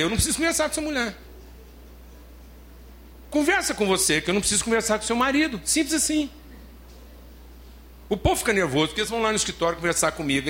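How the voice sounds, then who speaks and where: High-voiced Brazilian pastor preaching emphatically. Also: male voice, a bit bright, slight background noise. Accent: Brazilian Portuguese. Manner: emphatic, repeats phrases, addresses listeners as beloved. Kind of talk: preaching a sermon.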